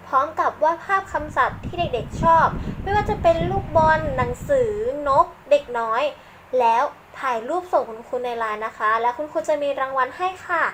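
A woman teaching young children English letters in a gentle, patient, praising way. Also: high-pitched, lively intonation, brisk, a little hiss or hum, poor audio. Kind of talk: children's lesson, slow and encouraging.

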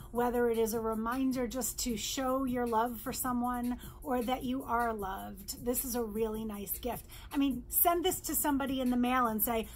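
A middle-aged woman from New York, a jewelry designer, presenting her bracelets in a bright, chatty sales pitch in her showroom, close to the camera. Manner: upbeat, chatty sales pitch, holds up pieces. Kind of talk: virtual trade show product presentation. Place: indoor showroom with jewelry displays.

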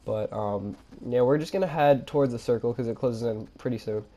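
A young man with a cold, stuffed up and nasal, commentating his own gameplay and pausing for breath, with excited outbursts. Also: medium pitch. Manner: nasal, pauses for breath mid-sentence; excitable exclamations during fights. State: congested from a cold. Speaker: gaming channel host.

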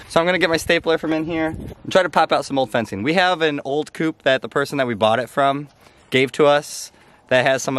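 This young man's voice is medium in pitch and a bit bright, with slight noise in the background. As a homestead vlogger, he holds the camera at arm's length and casually explains things step by step, outdoors in the snowy yard and partly inside the house.

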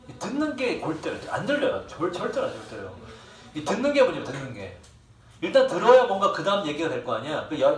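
A man teaching an English lesson to a class of students. He talks casually and jokes a lot. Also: a little high. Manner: casual, joking, swears and laughs at his own stories. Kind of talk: classroom lecture. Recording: echoey classroom from far off.

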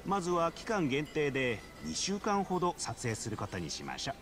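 An actor playing a nerdy, pedantic detective in a video game drama, with grandiose, precise and polite delivery. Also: male voice, on the high side, wildly swooping pitch, normal speed, noisy background. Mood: confident, scheming.

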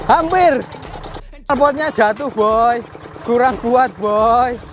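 A man, talking through a casual, excited, slangy vlog outdoors in a rice field. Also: extremely high pitch, normal speed, a little hiss or hum. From Indonesia. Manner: excited, slangy, calls viewers "boy". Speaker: vlogger. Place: outdoors in a rice field beside a running tractor.

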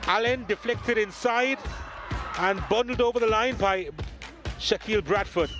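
A man with a fairly high voice calls football highlights in a lively, emphatic way. His voice-over runs over clear background music. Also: a little slow. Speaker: highlights commentator. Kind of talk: sports highlights commentary.

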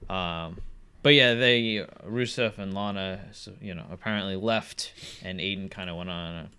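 Low-voiced man recapping wrestling casually. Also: moderate pace, clean tone. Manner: relaxed, rambling recaps with many fillers. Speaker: podcast co-host.

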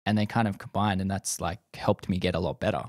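Man, lowish voice, podcast guest, dry studio mic, thoughtful, lots of likes. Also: steady tone, fast talker, darkish tone, no echo. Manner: thoughtful, many likes and restarts. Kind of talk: casual podcast interview. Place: dim studio set. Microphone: boom-mounted studio mic.

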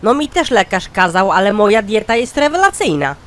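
A man voices a droll, crotchety old grandpa in a cartoon comedy skit, drawing out deadpan punchlines in a boastful mood. His voice is high and his delivery brisk.

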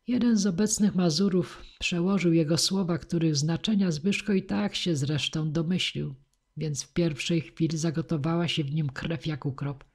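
Audiobook narrator: woman, husky, measured and dramatic. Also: low voice, steady tone, darkish tone. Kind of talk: scripted narration of a classic novel.

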